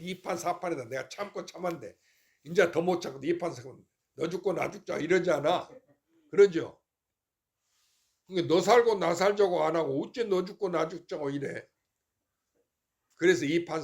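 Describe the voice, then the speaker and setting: A man's voice: fairly high pitch, normal speed, a little mellow. An older man, a Buddhist monk, giving a folksy, informal Dharma talk to his temple congregation and often asking whether they follow him.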